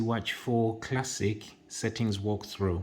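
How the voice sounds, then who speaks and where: A man's somewhat breathy voice moves at a fairly slow pace. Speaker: tech reviewer. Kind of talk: tutorial.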